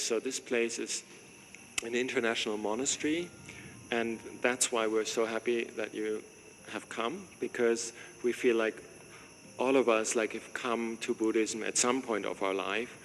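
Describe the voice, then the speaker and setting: A man's voice: mid-range voice, moderate pace, fairly bright tone, soft background music. A man, a monk welcoming visitors to his monastery, talking casually, joking and chuckling often as he asks questions. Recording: reverberant space with faint ambience.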